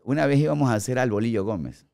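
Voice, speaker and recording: A man in his forties with an Ecuadorian accent, a guest actor telling animated stories in a podcast studio on a boom mic. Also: fast talker, creaky. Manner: animated storyteller acting out quoted remarks. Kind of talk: casual podcast storytelling. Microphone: studio mic on boom arm, headphones.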